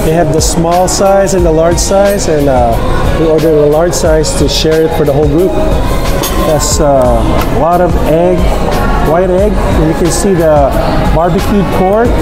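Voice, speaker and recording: A man talking at a moderate pace, with long, frequent pauses and loud music playing behind him. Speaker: food vlogger. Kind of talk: casual food review vlog. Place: cafe.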